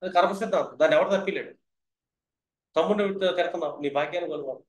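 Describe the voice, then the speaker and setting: A man's voice: sits high, very fast, roomy sound. A man teaching astrology in a lecture style, who keeps asking his listeners whether they have understood.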